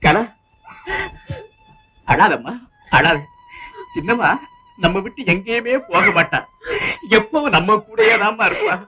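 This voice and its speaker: A gentle, pleading husband. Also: male voice, high-pitched, very animated, measured pace, pauses often, slightly rough, heavily acted. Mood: soothing. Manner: soothing, anxious coaxing. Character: gentle, pleading husband soothing his wife. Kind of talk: 1960s film melodrama. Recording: dull old film soundtrack.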